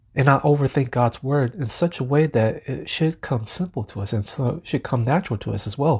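A man at a medium pitch, somewhat breathy, talking at a fairly quick pace with hardly any pauses against a quiet background. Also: ordinary pitch variation. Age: 30s. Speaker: podcast host and church youth minister. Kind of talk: solo casual monologue. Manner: halting, many fillers and restarts.

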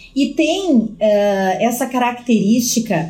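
Lively intonation from a woman with a fairly high, somewhat breathy voice and a dark, mellow tone, plus audible room echo. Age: 40s. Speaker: film commentator. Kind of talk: casual chat.

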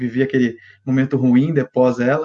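Using a normal speaking voice, a man talks at a medium pitch and a moderate pace with fairly even intonation. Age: 30s. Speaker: football fan, show supporter. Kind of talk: casual chat.

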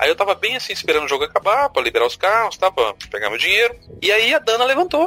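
A man talking at a very fast pace, with a dry, close sound and no echo. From Brazil, Minas Gerais (Belo Horizonte area). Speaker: pet owner telling animal stories. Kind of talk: casual chat. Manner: animated storytelling.

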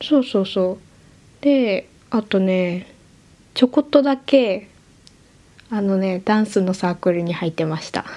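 A woman with a medium pitch and a dark, mellow tone speaks at a fairly slow pace with lively intonation and long, frequent pauses. The recording is very clean, with a silent background. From Fukushima, Japan. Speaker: podcast co-host. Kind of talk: casual chat.

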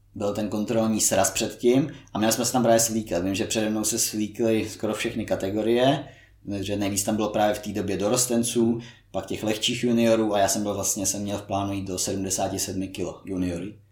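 Moderate-paced speech in a monotone, flat intonation, plus audible echo from the room. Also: man, fairly low pitch for a man. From Central Bohemia, Czech Republic. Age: 20s. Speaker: bodybuilder. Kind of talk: interview.

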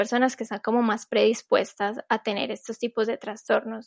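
At a moderate pace, a woman speaks. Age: 20s. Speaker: guest sharing experience of an eating disorder. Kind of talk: personal testimony in an interview.

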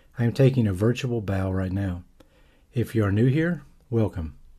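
A man's fairly low, somewhat breathy voice with a dark, mellow tone and lively intonation, on a very clean recording with a silent background. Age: 50s. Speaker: podcast host and author. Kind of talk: solo podcast monologue.

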